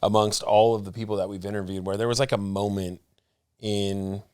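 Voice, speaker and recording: A man's voice: on the low side, little pitch movement, brisk, darkish tone, clear, resonant tone, no echo, studio quality. A man co-hosting a podcast, asking long rambling questions with many fillers. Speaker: podcast co-host. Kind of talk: interview questions.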